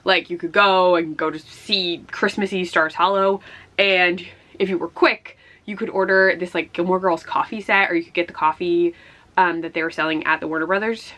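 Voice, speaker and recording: A woman with a slightly hoarse voice chats casually like a book vlogger, rambling with self-deprecating asides. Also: fairly low pitch, bright, forceful tone. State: slightly hoarse after flu. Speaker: book vlogger hosting a year-end favorites video. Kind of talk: casual chatty vlog talk.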